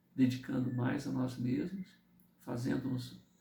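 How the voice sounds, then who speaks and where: A man talks at a very slow pace in a medium pitch, with a dark, mellow tone and vocal fry. Audible room echo surrounds his voice. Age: 60s. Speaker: spiritist lecturer. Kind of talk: lecture. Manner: halting, with frequent repetitions.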